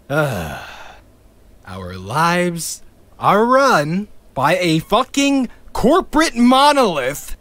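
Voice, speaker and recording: A man's voice: on the high side, a bit bright, dry recording, full character voice. An actor playing a bitter young male activist in an audio drama, sardonic and swearing, with wry laughs between his lines.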